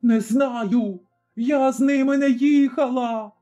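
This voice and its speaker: A man's voice: high-pitched, extremely slow, darkish tone. A man voicing a cruel, furious middle-aged female innkeeper with a coarse, shrieking voice in a storybook reading. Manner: shrieking, threatening. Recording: slightly dull recording, faint music.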